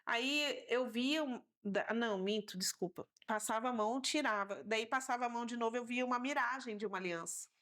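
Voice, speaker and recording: A woman's voice: on the high side, fairly quick, few pauses, fairly bright tone. A woman with a Brazilian Portuguese accent, a guest on a talk show, sharing her faith testimony and acting out her own past words as she tells it.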